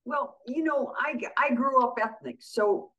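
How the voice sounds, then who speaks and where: An older woman, a guest on a radio interview, who grew up speaking Greek at home and tells her stories in a lively way, acting out the exchanges she quotes. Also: high voice, unhurried, dull audio. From USA. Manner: animated storyteller, acts out quoted exchanges. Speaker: guest, county treasurer.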